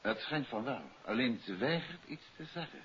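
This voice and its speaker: An actor playing a composed, courteous, faintly wry detective in a 1950s radio drama. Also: male voice, mid-range voice, expressive, moderate pace, a bit bright, natural voice. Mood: businesslike. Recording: muffled, hissy old radio recording.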